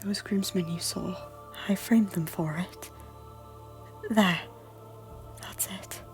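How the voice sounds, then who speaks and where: A woman playing a guilt-ridden noblewoman in an audio drama, pleading earnestly in formal, theatrical phrases with a breathy, husky voice. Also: mid-range voice, steady tone, slow, faint music behind, natural voice. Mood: remorseful confession. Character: guilt-ridden, repentant noblewoman and former schemer, earnestly hopeful. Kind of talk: audio drama acting of a Shakespeare-style story.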